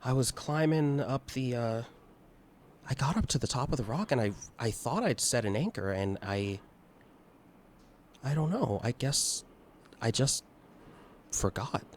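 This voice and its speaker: A man playing a lonely, resigned dead climber in a tabletop game, halting, subdued and unsure. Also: medium pitch, expressive, a little hiss or hum, voice pushed up, close to an everyday voice. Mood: halting, dazed.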